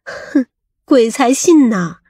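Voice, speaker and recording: A woman playing a sharp-tongued, suspicious woman in an audiobook, scolding and probing. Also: on the high side, expressive, slow pace, slightly rough, no room sound, studio quality, heavily acted. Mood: scornful. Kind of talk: audiobook character acting.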